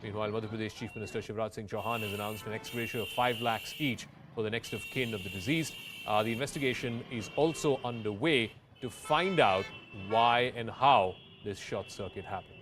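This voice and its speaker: A man's voice: fairly low pitch, a little fast, music in the background. A man with an Indian accent anchoring live television news, sometimes repeating words as he goes. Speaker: news anchor and debate host.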